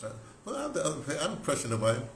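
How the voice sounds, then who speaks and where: An older American man, a radio drama producer and talk host, tells stories casually in an excitable, animated, rambling way with broken, repetitive phrasing. His voice runs on the high side and he races along. The recording has a roomy echo and clear background noise.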